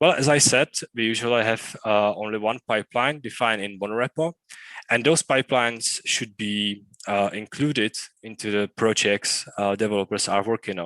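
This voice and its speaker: A man with a Czech accent, fairly low in pitch, bright and sharp in tone, with ordinary pitch variation, a moderate pace, a dry, close sound with no echo and a quiet background. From Czech Republic. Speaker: conference speaker, software engineer. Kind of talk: conference tech talk. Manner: hesitant, many filler sounds.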